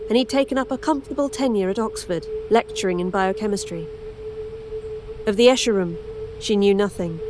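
A woman narrating a horror audio drama in first person, measured and introspective. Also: mid-range voice, background noise. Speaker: narrator and lead character.

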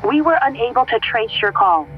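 Muffled phone line with music, woman acting female emergency dispatcher, steady, concerned, procedural, horror audio drama. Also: a little high, moderate pace. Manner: procedural questioning. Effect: phone line filter.

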